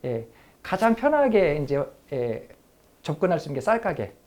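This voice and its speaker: Lively Korean history professor lecturing. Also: male voice, on the high side, normal speed. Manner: lively, repeats key phrases, asks the audience. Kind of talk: lecture to teachers.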